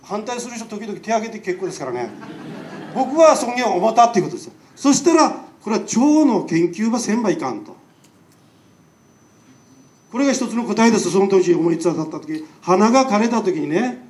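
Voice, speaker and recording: A man with a high, slightly mellow voice and a Nagasaki accent lectures the public as a doctor, keeping things chatty with a stream of rhetorical questions. The hall echoes, and the mic sits a long way off.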